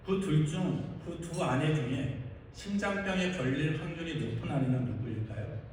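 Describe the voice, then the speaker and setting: A man's voice: a little high, moderate pace, a little mellow. A male pastor preaching a sermon to his congregation, often putting questions to them and answering them himself. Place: large church sanctuary. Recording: echoey hall, distant mic, faint noise.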